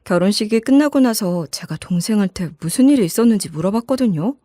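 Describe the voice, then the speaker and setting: A woman's voice: mid-range voice, expressive, quick pace, mellow, dry recording, clean studio sound. A woman narrating a scripted first-person family story in the role of a mother.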